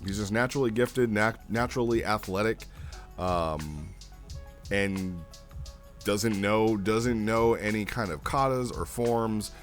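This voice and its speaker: Low-voiced man rambling over music. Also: slow pace. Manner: rambling, thinking aloud, repeats phrases for emphasis. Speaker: host reviewing a text role-play. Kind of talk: casual off-the-cuff review commentary.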